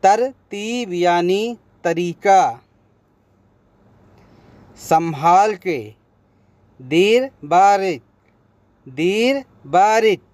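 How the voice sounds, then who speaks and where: Guy teaching vocab real slow, says each word a couple times, dry close sound. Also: high-pitched, animated, a little mellow, dry recording. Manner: repeats each word slowly, then gives the meaning. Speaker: language teacher. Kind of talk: vocabulary lesson.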